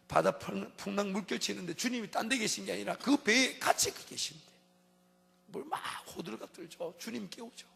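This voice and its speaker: A male pastor preaching an emphatic dawn-service sermon, repeating his refrains and swinging between soft and loud passages. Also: sits high, normal speed, gravelly. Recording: long church hall reverb.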